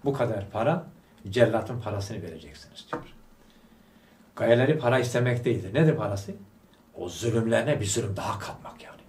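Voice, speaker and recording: His voice runs on the low side, expressive and brisk, as he passionately teaches a gathering in a religious school's study hall, pressing rhetorical questions and calling for spoken answers. The room echoes, the mic is distant, and the background is noisy.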